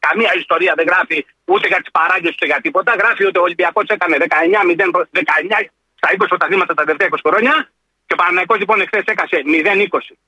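Man, radio caller, insistent, repeats himself, high voice, very sharp tone. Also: slightly rough, no echo. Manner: insistent, repeats words rapidly. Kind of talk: casual call-in chat.

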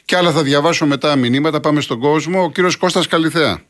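A man's voice: on the high side, a bit bright, slight background noise. A man hosting a call-in radio show, chatting with callers and reading out listener messages. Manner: conversational, chats with callers and reads listener messages. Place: radio studio.

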